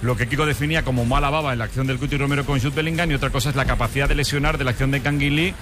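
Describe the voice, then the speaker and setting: Un hombre que conduce un debate de fútbol en la radio, con voz de tono medio y ritmo rápido. Modera a sus contertulios y los interrumpe cuando hace falta, con una música suave de fondo. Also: male voice, medium pitch, steady tone, rapid-fire, music in the background. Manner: moderates and cuts in on guests. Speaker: radio host. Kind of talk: live sports radio debate.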